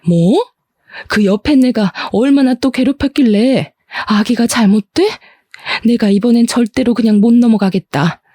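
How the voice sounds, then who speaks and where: A woman's voice: on the high side, dark tone, no room sound, clean studio sound, lightly acted. A woman voicing a protective middle-aged aunt, outraged on her niece's behalf. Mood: indignant. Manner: brisk, worried then indignant.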